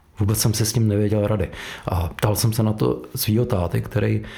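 Noticeable background noise runs under a man's fairly low-pitched voice. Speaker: writer and interviewer. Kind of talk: interview.

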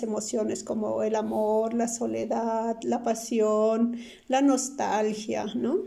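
Pitched fairly high, a woman speaks very slowly in a dark, mellow tone. Audible room echo surrounds her. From Peru. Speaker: Spanish teacher and photographer. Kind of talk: casual interview.

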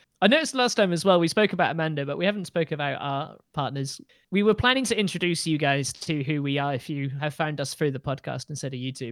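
Very fast, lively speech from a man with a fairly high pitch and hardly any pauses, on a very clean recording with a silent background. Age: 20s. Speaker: podcast host. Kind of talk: casual chat. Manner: giggly, laughs often.

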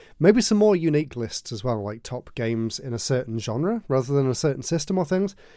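On a very clean recording with a silent background, a man with a British accent speaks at a fairly high pitch with lively intonation. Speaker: YouTuber and podcast host. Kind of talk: solo monologue.

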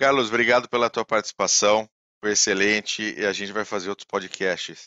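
At a moderate pace, a man with an ordinary speaking voice talks in a fairly low pitch. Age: 40s. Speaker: podcast host. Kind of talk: casual chat.

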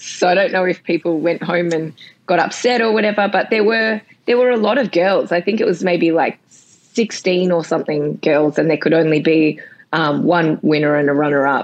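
With an Australian accent, a woman speaks at a moderate pace and a fairly low pitch. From Western Australia. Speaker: comedian. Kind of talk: casual chat. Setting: video call.

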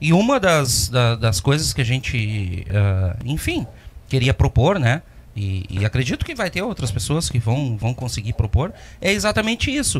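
Somewhat breathy, this man talks at a medium pitch and a fairly slow pace. His pitch swings very widely. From Alvorada, Rio Grande do Sul, Brazil. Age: 40s. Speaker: local community member. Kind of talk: casual chat. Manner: halting.

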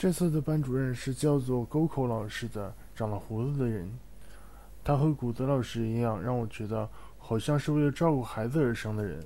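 In a dark, mellow tone, a man speaks at a medium pitch with ordinary pitch variation and a fairly slow pace. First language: Chinese (speaking Japanese). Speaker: Japanese reading participant, teacher. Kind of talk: reading aloud.

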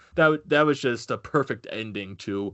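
A man with an American accent talks at a moderate pace with ordinary pitch variation. He has an unremarkable speaking voice. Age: 20s. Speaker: hockey podcast host. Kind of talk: casual chat.

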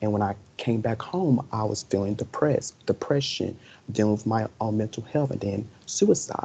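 Fairly low in pitch with a dark, mellow tone, a man speaks at a moderate pace, somewhat breathy, with ordinary pitch variation. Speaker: podcast co-host and college student. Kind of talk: casual chat.

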